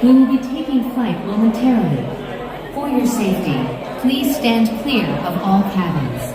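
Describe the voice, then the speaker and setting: A woman's recorded safety announcement plays over a loudspeaker, calm and measured, with a lively rise and fall in her pitch. She sounds distant and echoey, as if carried across a busy public space full of people and music. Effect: public address announcement over loudspeaker. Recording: echoey loudspeaker from far off, crowd.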